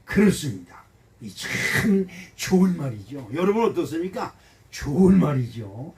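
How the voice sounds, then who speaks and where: A man in his seventies, a pastor giving a folksy, animated sermon and asking his congregation questions. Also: on the high side, unhurried. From Korea. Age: 70s. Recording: voice heard from some distance.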